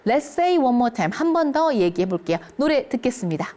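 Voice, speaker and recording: Encouraging woman teaching English phrases. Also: on the high side. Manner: lively, encouraging, keeps checking in with listeners; reads English phrases slowly and clearly. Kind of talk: English lesson for seniors.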